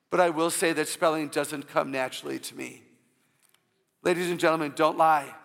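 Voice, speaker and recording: A long reverb tail trails the gravelly, low voice of this woman, a Christian speaker people often take for a man. Her inspirational church talk is full of funny personal stories, and she regularly calls out to the audience.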